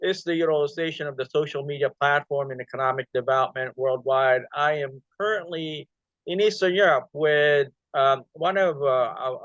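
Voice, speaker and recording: A man's voice: mid-range voice, fairly bright tone, dry recording. A man hosting a podcast, asking questions in a chatty way and filling his speech with "you know". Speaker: podcast host. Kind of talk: podcast interview. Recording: dry, dull lo-fi sound.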